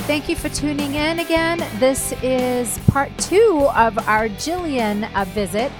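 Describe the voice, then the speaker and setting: A woman's voice: sits high, expressive, unhurried, over loud music. A woman in her fifties hosting a podcast, chummy and playful. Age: 50s. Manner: chummy, playful, swears casually. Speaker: podcast host. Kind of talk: casual chat.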